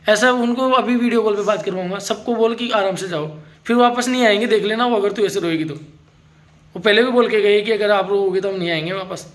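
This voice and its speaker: A man's voice: high-pitched, fairly quick, a bit bright. A man hosting a casual family vlog, comforting his partner in a coaxing way and talking to viewers. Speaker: vlogger host.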